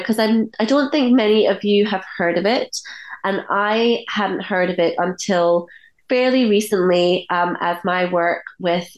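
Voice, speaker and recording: A woman hosting a podcast interview in an effusive, appreciative way, her voice husky and hoarse with a bad cold. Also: fairly low pitch, low-quality recording. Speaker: podcast host.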